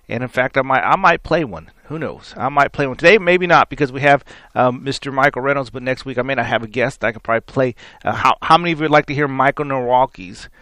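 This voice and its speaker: A man hosting a live Christian radio talk show, with a raspy, hoarse voice, talking in a rambling, repetitive, folksy preaching manner. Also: mid-range voice, a bit bright, dry recording. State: hoarse from many interviews. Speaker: radio show host and minister. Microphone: studio microphone.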